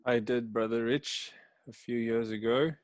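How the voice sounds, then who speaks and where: A man's voice: mid-range voice, level tone, a little slow, no echo. A man, a pastor, recounting a personal experience to a group in a reflective, hesitant way with many fillers. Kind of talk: personal story in a group call.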